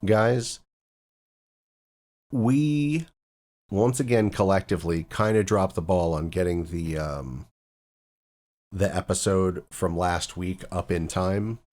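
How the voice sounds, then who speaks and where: A man's voice: sits low, takes it slowly, pauses often, darkish tone. A man hosting a casual podcast chat, loose and joking, with lots of fillers and restarts. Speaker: podcast host.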